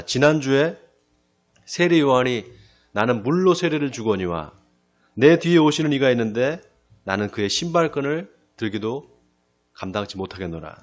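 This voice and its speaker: A male pastor giving a sermon. He asks the congregation questions and answers them himself, slows down to stress key phrases, and often drops to a quiet close. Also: mid-range voice. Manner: lively preaching, rising then dropping to a quiet close. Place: church sanctuary.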